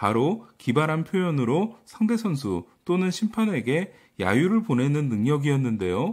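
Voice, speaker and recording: A somewhat breathy man at a fairly high pitch and fairly slow pace, with very wide pitch swings, hardly any pauses and very even loudness, on a very clean recording with a silent background. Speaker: baseball YouTuber. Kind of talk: scripted narration.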